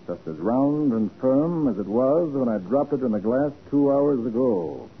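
Confident american detective, 40s radio drama, swingy animated pitch, dull old recording. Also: male voice, measured pace, gravelly. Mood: smooth, teasing. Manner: confident, explanatory, showman-like. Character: shrewd, self-assured male private detective. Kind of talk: 1940s radio acting. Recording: muffled, noisy 1940s radio recording.

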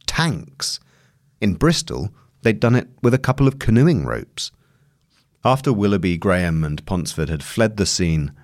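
Very deep-voiced man narrating. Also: no echo, clean studio sound. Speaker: narrator reading a long-form news article. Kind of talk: scripted narration, audio long read.

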